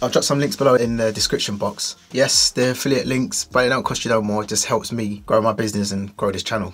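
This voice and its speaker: Very fast speech from a man with ordinary pitch variation, faint music in the background. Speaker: YouTube creator. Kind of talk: casual vlog advice. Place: home room. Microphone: handheld.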